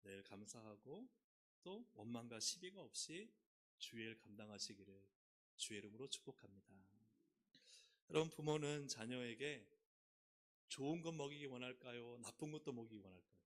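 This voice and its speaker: A man's voice: expressive, moderate pace. A male pastor preaching a sermon in a church, asking the congregation questions and leading them in reading aloud. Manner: asks the congregation questions and leads responsive reading with sweeping pitch swings. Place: church sanctuary.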